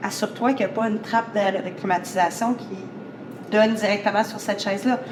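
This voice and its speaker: Over noticeable background noise, a woman with a Quebec accent talks at a fairly quick pace. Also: fairly high pitch for a woman. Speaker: event planner. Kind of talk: podcast interview. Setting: in a workshop studio. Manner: animated.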